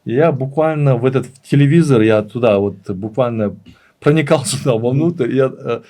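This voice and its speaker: Earnest man with a mid-pitched voice, explaining. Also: moderate pace, warm tone. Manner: earnest, emphatic repetition of phrases. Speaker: interview guest, language teacher and author. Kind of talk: conversational interview, explaining and reminiscing.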